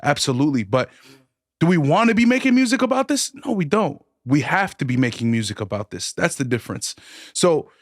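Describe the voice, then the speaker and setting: Passionate man, slightly high voice. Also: sing-song, no room sound, clean studio sound. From United States. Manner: passionate, drawn-out emphasis, says "dog" and "man". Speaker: guest musician. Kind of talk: casual podcast conversation.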